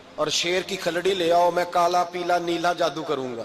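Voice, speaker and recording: Noticeable background noise runs under this recording. The speaker is a man with a high-pitched voice. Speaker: Islamic preacher. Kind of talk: Islamic sermon (bayan). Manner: emotional, passionate.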